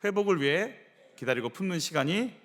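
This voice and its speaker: A man preaching a sermon in a church, animated storytelling with acted-out quotes. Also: high-pitched, a little fast, in a large hall. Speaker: pastor. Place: church sanctuary.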